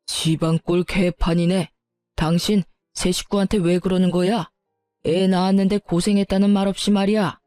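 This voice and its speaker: A woman voicing a stern, old-fashioned older father-in-law who scolds gruffly in a slow, lowered voice in a storytelling video. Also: level tone, dark tone, no room sound, clean studio sound, soft background music, natural voice. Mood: scolding.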